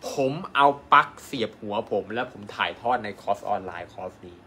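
A man, a doctor, giving an animated live-stream sales pitch and asking his viewers rhetorical questions. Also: slight background noise. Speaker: acupuncture doctor selling an online course.

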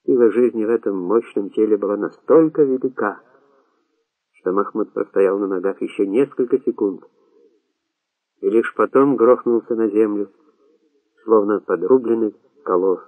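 A man narrating an audiobook in a steady, dramatic reading style. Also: fairly low pitch, normal speed, long pauses, slightly rough, no room sound. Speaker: audiobook reader. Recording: tinny phone-like sound.

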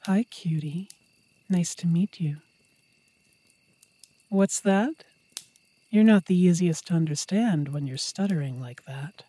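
Woman doing a confident she-werewolf, low velvety voice, slow delivery, flirtatious, teasing, intimate audio drama. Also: dark tone, husky, no echo. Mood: flirty, teasing. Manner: teasing, bold, unhurried. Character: confident, flirtatious female werewolf with ears, tail, fangs.

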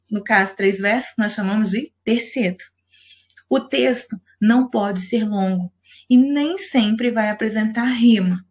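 A woman teacher with a Brazilian Portuguese accent, giving a recorded class lesson in a patient, methodical way and slowly counting things out step by step. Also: on the high side.

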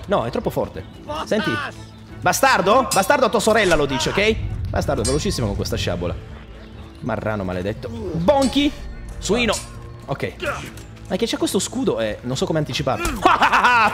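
A man giving excitable, jokey running commentary while playing a video game. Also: on the high side. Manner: excitable, jokey, shouts at enemies in combat. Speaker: gameplay streamer. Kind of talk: casual let's play commentary.

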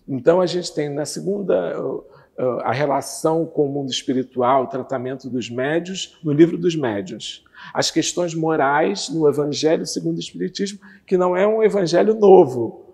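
A man in his fifties, a guest on a TV interview, calmly explaining a religious doctrine with lively hand gestures, on a lapel mic in a curtained studio. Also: fairly high pitch, creaky, husky, big-room sound. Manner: animated, gestures with both hands while talking. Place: TV studio with red curtain backdrop.

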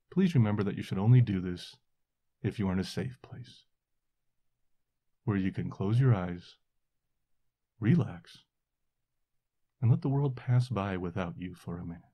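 A man softly and slowly guiding a meditation as podcast host, in a soothing delivery. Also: on the low side, husky. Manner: soft, slow, soothing delivery. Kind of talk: guided meditation. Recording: hiss and rain noise. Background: rain.

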